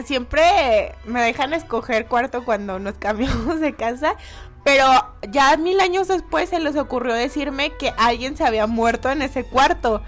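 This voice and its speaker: A woman with a Mexican accent chatting as a podcast co-host, laughing as she talks. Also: high voice. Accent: Mexican Spanish. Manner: chatty, laughs mid-sentence. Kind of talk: casual chat.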